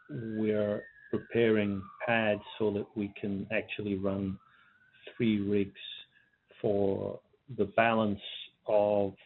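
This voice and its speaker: A man answering questions as a company executive on an earnings call, halting and repeating words as he goes. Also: fairly low pitch, a little hiss or hum. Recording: tinny narrowband phone line.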